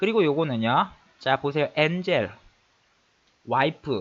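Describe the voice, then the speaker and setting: A man is speaking. His intonation is lively. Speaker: English grammar teacher. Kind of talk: lecture. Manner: fast.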